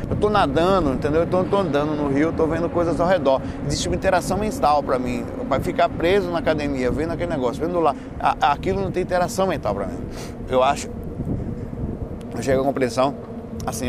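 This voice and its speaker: A man with a Bahian Brazilian accent and a slightly high voice talks in a loose, casual chat. He is playful and slangy, often breaking off and restarting his sentences. Traffic and street noise are clearly heard behind him. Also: a little fast. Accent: Bahian Brazilian Portuguese. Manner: colloquial, slangy, playful, with repeated false starts and self-interruptions. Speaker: speaker answering audience questions on spirituality and lifestyle.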